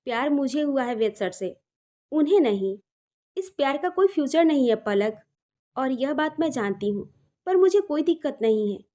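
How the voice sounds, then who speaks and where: A woman's voice: expressive, moderate pace, warm tone. A woman voicing a heartbroken young woman who blames herself, asking pained questions through tears. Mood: resigned. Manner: pleading, questioning, rising pitch when upset. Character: heartbroken young woman, tearful, self-blaming.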